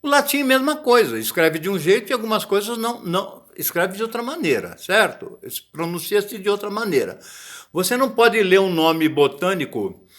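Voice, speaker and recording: A man's voice: sits high, big pitch swings, normal speed, fairly bright tone. A man giving a casual video lesson on botanical Latin, chatty and often searching for words. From Brazil. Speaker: botany teacher.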